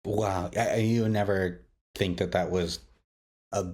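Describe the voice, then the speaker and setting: A man's voice: sits low, steady tone, unhurried, a little mellow. A man hosting a roundtable discussion, talking enthusiastically and often repeating or rephrasing mid-sentence. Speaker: podcast host and interviewer.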